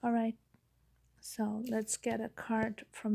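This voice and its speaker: Soft-spoken and somewhat breathy, a woman talks at a fairly slow pace. Her pitch is fairly high and her tone dark and mellow. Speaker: tarot reader. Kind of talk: tarot reading monologue. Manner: halting.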